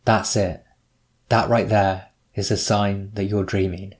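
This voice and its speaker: A man narrating a scripted guided meditation, giving measured, instructive prompts with pauses between them. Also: on the low side, flat delivery.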